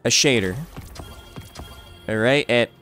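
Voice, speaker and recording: A man giving casual, excitable live gameplay commentary, full of banter and repeated phrases. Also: medium pitch, slow pace, soft background music. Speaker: gaming streamer.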